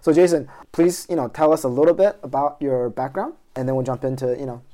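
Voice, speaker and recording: A man interviewing guests at a conference, chatty and asking quick follow-up questions. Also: medium pitch, steady tone, warm tone. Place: conference venue.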